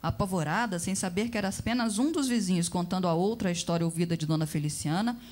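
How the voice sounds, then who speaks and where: A woman reading a story aloud with expressive, measured narration. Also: fairly low pitch.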